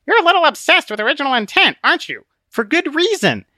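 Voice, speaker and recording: A man voicing a fussy, excitable male conscience, high-strung and pedantic, in an audiobook story. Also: fast, no room sound, studio quality, full character voice. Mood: pedantic arguing.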